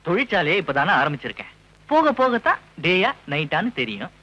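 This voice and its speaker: A man's voice: high-pitched, huge pitch swings, fairly quick, pushed and bright, exaggerated voice, rough recording. An actor playing a cheeky, evasive young son who jokes with his parents in a film comedy. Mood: teasing. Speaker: young son starting a business. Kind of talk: 1980s Tamil film comedy.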